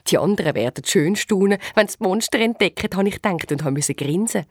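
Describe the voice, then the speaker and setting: A woman with a Swiss German accent reading a children's story aloud, lively and expressive. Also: mid-range voice, moderate pace, no room sound, clean studio sound.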